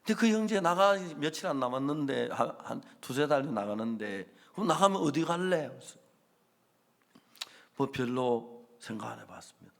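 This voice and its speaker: A middle-aged man, preaching a sermon as a pastor and telling stories with acted-out dialogue and sudden loud bursts. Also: medium pitch, animated, moderate pace, gravelly.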